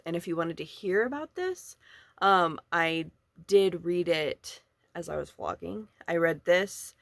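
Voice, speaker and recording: Book vlogger, medium pitch, casual chat, halting phrasing, frequent asides, dry close recording. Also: vocal fry, fairly bright tone, dry recording.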